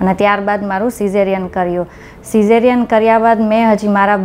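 Over noticeable background noise, a woman speaks at a medium pitch with monotone, flat intonation. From Gujarat, Saurashtra (Savarkundla). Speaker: amputee, motivational social media creator. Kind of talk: interview testimony.

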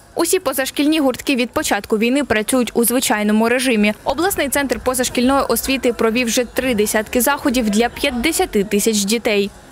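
Moderate pace with hardly any pauses, very even loudness, ordinary pitch variation and noticeable background noise. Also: woman, high pitch for a woman. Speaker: TV news reporter. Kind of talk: scripted narration.

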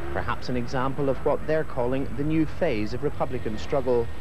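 A man's voice sounds dry, with no echo. Noticeable background noise runs behind him. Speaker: news correspondent. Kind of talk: news report voiceover. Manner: grave and measured. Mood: serious, measured.

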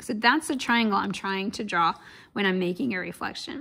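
Over a quiet background, a woman speaks with vocal fry. Her pitch varies in an ordinary way. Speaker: math teacher. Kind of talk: tutorial. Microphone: phone near.

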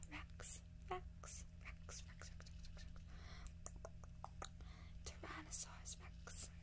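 Against loud background noise, a soft-spoken woman talks at a very slow pace. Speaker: ASMR creator. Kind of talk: ASMR trigger words and soft vlog chat. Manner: soft, hushed ASMR repetition. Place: home room.

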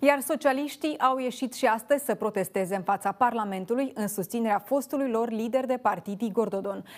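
Against a quiet background, a woman talks at a fairly quick pace with hardly any pauses and ordinary pitch variation. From Moldova. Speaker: news anchor. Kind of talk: news reading. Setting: studio. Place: studio. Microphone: lapel.

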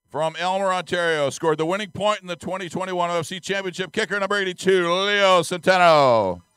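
The tone is bright and sharp, the intonation fairly even. It runs at a moderate pace with hardly any pauses. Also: man, high pitch for a man. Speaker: stadium announcer reading lineups. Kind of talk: announcing.

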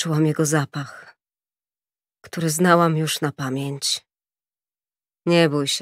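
A woman's very deep, low pitch at a very slow pace, monotone and flat, with a quiet background and a dry sound with no echo. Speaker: audiobook narrator. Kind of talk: audiobook reading of a romance novel. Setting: studio. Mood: dramatic, tense storytelling. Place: booth. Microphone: studio mic.

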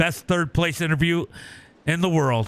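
A man's raised, projected voice, bright and sharp in tone. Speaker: sim racing stream host and race caller. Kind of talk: live race commentary. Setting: live stream. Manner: casual, joking with chat.

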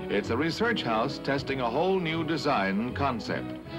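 There's clear music behind the speech. The speaker is male, talking at a moderate pace. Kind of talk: 1950s newsreel narration. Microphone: old recording.

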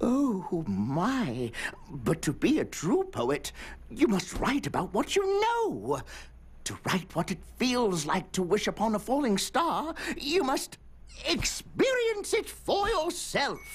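Someone does a cartoonish character voice at a fairly slow pace. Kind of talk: cartoon voice acting. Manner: courtly, old-fashioned, theatrical.

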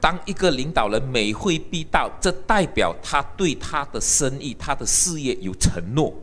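A fairly slow man's voice with a Chinese accent, a fairly high pitch and very wide pitch swings. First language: Mandarin Chinese (speaking Vietnamese). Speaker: motivational speaker, network marketing leader; motivational speaker. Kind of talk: motivational speech to audience, interpreted. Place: hall.

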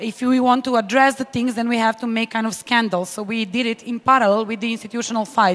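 Fairly quick speech from a woman with a Serbian accent and fairly even intonation, against a quiet background. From Serbia, Belgrade. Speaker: architect and activist; guest. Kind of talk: panel discussion. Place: hall. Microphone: handheld.

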